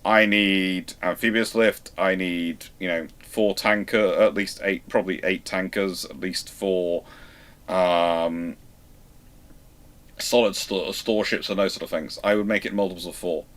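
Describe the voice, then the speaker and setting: A British man hosting a live question-and-answer stream on naval history, chatting casually and teasing a co-host, with loud animated bursts of emphasis. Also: deep voice, measured pace. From Britain. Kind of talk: live Q&A chat.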